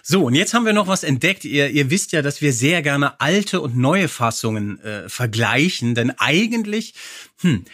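A man's voice: fairly high pitch, very animated, normal speed, a bit bright, dry recording, clean studio sound. A man hosting a podcast in casual chat, with an amused, self-deprecating manner. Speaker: podcast host.

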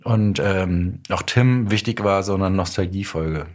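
A man's voice: low-pitched, a little slow. A man with a German accent talking reflectively as an interview guest, thinking aloud as he explains. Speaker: guest, radio drama author and director. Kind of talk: reflective casual podcast interview.

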